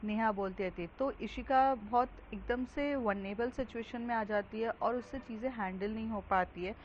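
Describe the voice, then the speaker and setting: A woman's voice: a little high, normal speed. A woman narrating a romance story in a casual, conversational way, with frequent fillers. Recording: dull lo-fi with faint hiss.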